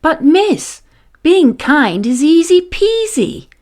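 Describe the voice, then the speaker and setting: A woman puts on an eager little schoolchild from a children's storybook, proud and excitable. The voice is very high and sing-song, swooping with animation. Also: slow, exaggerated voice. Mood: chirpy. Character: eager, proud young schoolchildren boasting and chirping.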